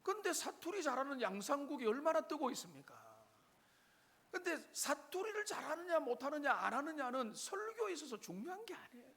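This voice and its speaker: In his church sanctuary, a pastor preaches a Sunday sermon straight to the congregation, firing off one rhetorical question after another. His voice is extremely high, very animated and brisk, with a fairly bright tone.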